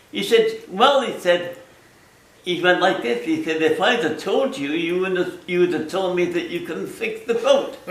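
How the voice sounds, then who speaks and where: A man with a high voice speaks at a moderate pace with lively intonation, and background noise is noticeable. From Wales. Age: 80s+. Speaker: pattern maker. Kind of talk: interview answer.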